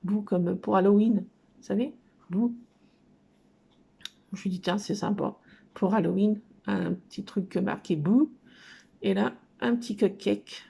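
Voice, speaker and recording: A woman's voice: mid-range voice, fairly even intonation, measured pace, vocal fry, mellow, slightly rough. A middle-aged woman casually chatting at home as she shows off her craft haul, hesitant, with many fillers. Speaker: craft vlogger showing a haul. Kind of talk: casual show-and-tell chat. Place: at home indoors.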